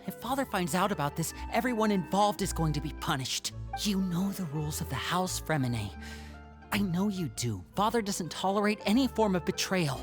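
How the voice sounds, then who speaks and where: A man voicing a young male showman who speaks calmly and questions his brother in a measured way. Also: sits high, over music. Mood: stern.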